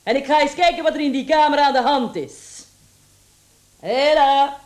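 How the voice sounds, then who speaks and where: A woman's voice: high voice, moderate pace, a little mellow, lightly acted. An actress playing a fearless, chatty charwoman with a sly, cheeky manner in a radio drama. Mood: brash, taunting. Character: brash, chuckling, fearless charwoman with a sly streak.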